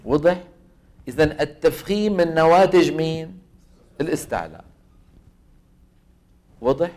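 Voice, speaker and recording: A Quran recitation teacher with a Levantine Arabic accent leads a tajweed class, asking his students questions, answering them himself, and pronouncing the sounds aloud as examples. His voice is fairly high, darkish, expressive and unhurried.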